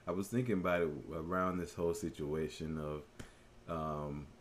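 A man's voice: rumbling low, fairly even intonation, normal speed, a little hiss or hum. A man co-hosting a podcast, talking casually and hesitantly with many fillers and restarts. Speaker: podcast co-host. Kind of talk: casual chat.

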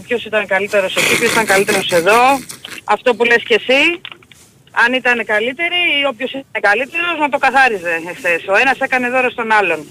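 A woman on a call-in line with a bright, forceful voice and a faint hiss behind her. She rambles casually and leans on fillers between her thoughts. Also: medium pitch, low-quality recording. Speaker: caller.

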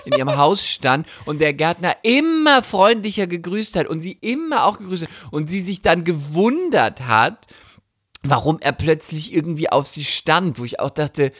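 A woman's voice: sits low, sing-song, moderate pace, a bit bright, slightly rough, no echo, clean studio sound. A woman co-hosting a casual podcast, blunt, teasing and sarcastic. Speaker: podcast co-host. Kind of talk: casual chat.

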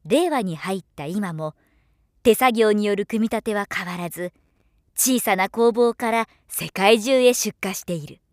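A woman giving scripted narration as a professional voiceover artist, with a measured, polished delivery. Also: medium pitch, dry recording, clean studio sound.

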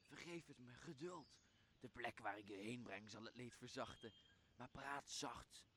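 A man's voice: mid-range voice, measured pace, pushed and bright, a little hiss or hum. A man acting a servile, scheming island monster in a Shakespeare radio play, fawning and easily irritated. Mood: fawning, urgent.

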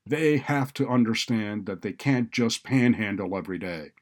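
A man voicing a callous, sarcastic male college dean in a story, loud and exasperated. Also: fairly low pitch, expressive, unhurried. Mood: sarcastic, angry. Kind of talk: audiobook character dialogue.

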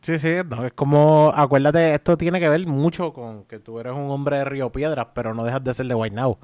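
A man's voice: medium pitch, steady tone, moderate pace, a little mellow, clean tone, dry recording. Teasing Puerto Rican man, dry sound. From Puerto Rico. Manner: teasing, jokey. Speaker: podcast host. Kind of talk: casual podcast chat.

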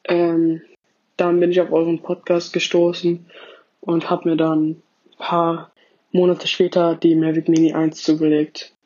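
A man's voice: a little high, monotone, unhurried, a little mellow. A male podcast listener giving a simple personal account in a dull, lo-fi voice message. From Wiesbaden, Germany.

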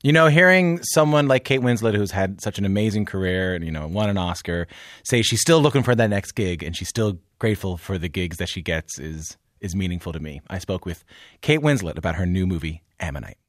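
A man's voice: deep voice, lively intonation, brisk, no room sound, clean studio sound. A man hosting a radio arts show, chatty and jokey, introducing stories and interviewing guests.

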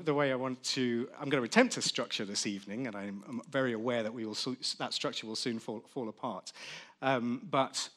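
A man's voice: on the high side, fairly bright tone. A man chairing a live panel discussion, joking and self-deprecating. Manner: jokey, self-deprecating, with laughs.

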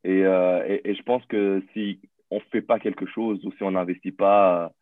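Deep-voiced man on a tinny line. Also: steady tone, normal speed, no echo. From Burundi. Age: 30s. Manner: hesitant, many fillers and restarts. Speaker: podcast guest. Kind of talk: casual interview talk.

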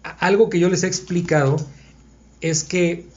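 On a muffled lo-fi recording, a man runs a small-group Bible study in a conversational way, thinking aloud and often confirming his listeners are with him. His voice sits high, with fairly even intonation, a moderate pace, and a slightly mellow quality.

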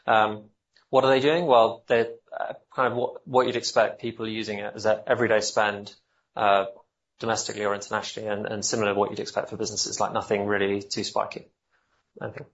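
A man answering questions as a company executive on an earnings call, explaining in halting, self-correcting phrases. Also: fairly low pitch, flat delivery, a little hiss or hum. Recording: dull, band-limited call audio.

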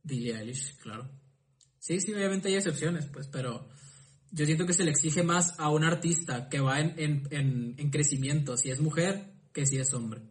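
A man in a relaxed podcast conversation, his voice sitting somewhat high for a man. He talks thoughtfully, stopping and restarting his sentences as he builds a point. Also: normal speed. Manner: thoughtful, hesitant, many restarts and repeated words. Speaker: podcast participant. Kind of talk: casual podcast chat.

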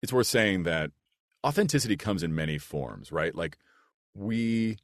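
A man with a big, low, rich voice who talks earnestly and thoughtfully as a voice actor guest in a casual podcast chat. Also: big pitch swings, a little slow, no echo, studio quality. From United States. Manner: earnest and reflective, with restarts and "like".

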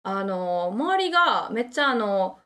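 A woman's voice: medium pitch, big pitch swings, a little slow, bright, forceful tone. A woman with an Osaka accent, from Osaka and Nara in Japan, chatting casually. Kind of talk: casual chat.

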